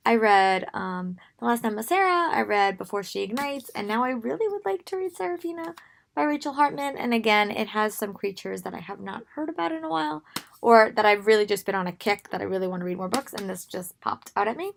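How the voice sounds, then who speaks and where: Hoarse young woman with a gravelly voice. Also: medium pitch, expressive, a little fast. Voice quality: gravelly, strained. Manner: rambling with frequent ums. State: losing her voice, hoarse. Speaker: book vlogger. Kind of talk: casual book haul talk.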